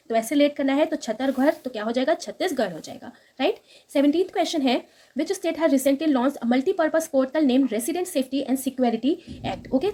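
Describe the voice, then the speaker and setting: A woman teaching current affairs for exams, reading questions slowly and explaining them in a casual style full of fillers. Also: sits high, a little mellow. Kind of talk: exam-prep lesson with memory tricks.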